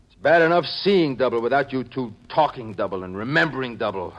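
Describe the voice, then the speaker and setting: An actor in a 1950s radio drama playing a gruff, impatient police chief with a curt, commanding manner, on an old recording. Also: male voice, mid-range voice, a little fast, lo-fi sound, natural voice. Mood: stern.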